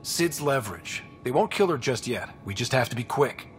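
Guy doing a calm space squad leader, steady measured talk, average pitch, video game w some music. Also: natural voice. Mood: calm, reassuring. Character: level-headed male space explorer, squad leader. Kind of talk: video game cutscene acting.

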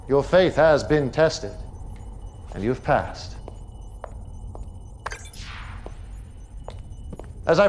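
An actor playing a commanding, manipulative cult leader in a game cutscene, theatrical, measured and imperious. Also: male voice, mid-range voice, slight background noise, close to an everyday voice. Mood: smug.

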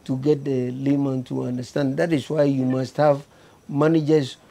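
An older man with a Ghanaian English accent, answering interview questions slowly and deliberately, often repeating words, on an outdoor terrace with a lapel mic. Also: mid-range voice, little pitch movement, creaky, warm tone. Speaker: livestock farmer guest. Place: outdoor terrace with hills behind.

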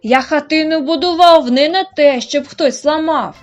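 Woman doing a grumpy big storybook bear, slow and roaring, loud. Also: high voice, faint music behind.

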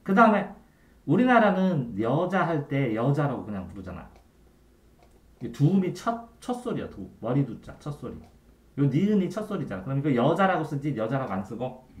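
A man tutoring a student one-on-one in Korean grammar, quizzing him often and trailing off quietly at the ends of phrases. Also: mid-range voice, big pitch swings, moderate pace. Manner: quizzing the student with frequent checks for understanding. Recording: echoey room.

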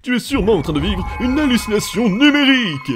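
A man's voice: very high-pitched, big pitch swings, fast talker, over music. A man voicing a manic, cheerful ringmaster of a digital circus in a French cartoon fan dub, with theatrical, grandiose delivery. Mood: breezy, reassuring.

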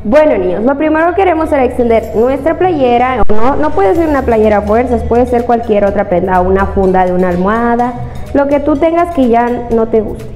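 A woman's voice: fairly high pitch, animated, a little fast, dark tone. A young woman with a Mexican accent presenting stories and crafts to children in a sing-song way, often asking them questions. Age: young adult. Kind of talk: storytelling and craft instruction for children. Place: indoor studio with painted wall. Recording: echoey room, music behind.

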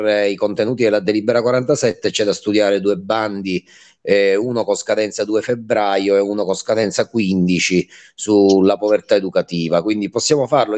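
A man's voice: fairly low pitch, darkish tone. A man explaining formally as a councillor in an online meeting, searching for words. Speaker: district councillor. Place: online video call.

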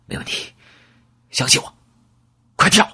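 A man voicing a cocky young male gunman who barks quick, brash orders in an audiobook. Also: pushed and bright, no echo, studio quality. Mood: urgent.

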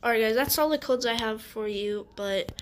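Woman with a stuffy nose, slightly high. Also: normal speed, a little hiss or hum. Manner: rambling, hesitant with many ums and restarts. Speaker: gaming channel host. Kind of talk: casual gameplay commentary.

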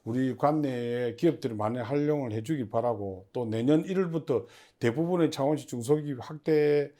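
A man giving formal, prepared interview answers as an agency official, in measured and stiffly official phrasing. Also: mid-range voice, dark tone. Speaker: head of a public industry agency, interview guest.

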